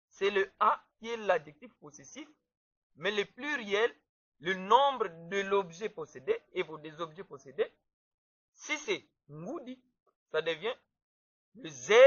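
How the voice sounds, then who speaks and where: A man gives a grammar lesson in a high, bright voice, taking his time over each point. He repeats words to drive them home. The recording is dry and a little dull. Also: dry recording. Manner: slow, deliberate, repeats words to stress them. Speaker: language teacher. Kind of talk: explaining grammar to viewers. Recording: dull, slightly muffled dry sound.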